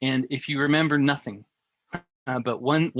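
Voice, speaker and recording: A man with a normal speaking voice and a fairly high pitch talks at a moderate pace with fairly even intonation, recorded with a dry, close sound and no echo. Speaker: presenter giving a talk on strategic leadership. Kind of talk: informal, humorous lecture.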